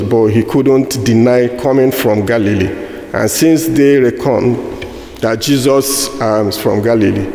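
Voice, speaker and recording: A man with a Nigerian accent preaching a sermon, slow and halting with fillers and restarts. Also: mid-range voice, darkish tone. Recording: echoey hall with long reverb.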